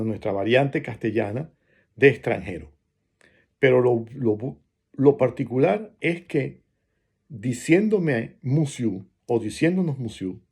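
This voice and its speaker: A man from Venezuela with a Venezuelan Spanish accent, giving a reflective spoken essay and pausing often between phrases. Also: medium pitch, a little mellow, husky.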